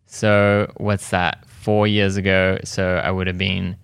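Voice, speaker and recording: A man's voice: sits low, level tone, slow pace, vocal fry, a bit bright, clean tone, no echo, studio quality. Upbeat Australian man in his twenties. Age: 20s. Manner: upbeat, laughs often, lots of "like". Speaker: guest, pro skateboarder. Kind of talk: casual podcast chat.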